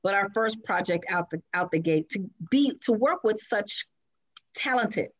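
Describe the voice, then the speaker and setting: A woman's voice: mid-range voice, expressive, measured pace. A woman executive producer, a guest on a talk show, speaking in an effusive, gushing way with many fillers. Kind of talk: casual interview chat.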